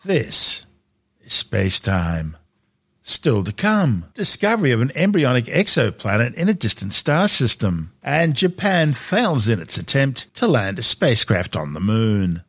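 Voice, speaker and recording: Animated male science presenter, dry close sound. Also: medium pitch, moderate pace, hardly any pauses, slightly rough, no echo. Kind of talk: scripted science news narration.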